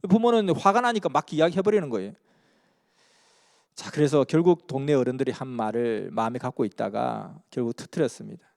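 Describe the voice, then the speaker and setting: Gravelly preacher. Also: male voice, mid-range voice, a little fast, darkish tone. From Busan, South Korea. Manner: earnest, emphatic storytelling. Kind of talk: sermon storytelling. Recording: long hall reverb.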